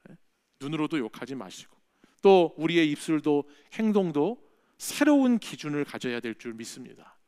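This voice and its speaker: Higher-voiced man preaching a sermon. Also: sing-song, moderate pace, darkish tone. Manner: conversational preaching, frequent "예?" checks with the congregation. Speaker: pastor. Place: church sanctuary.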